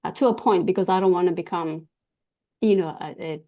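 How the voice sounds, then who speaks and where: A woman from Argentina whose first language is Spanish, a guest talking about her business in an interview, pausing often with ums and restarts. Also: fairly low pitch, dark tone. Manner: hesitant, many ums and restarts. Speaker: guest, cybersecurity business owner. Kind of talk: casual interview talk.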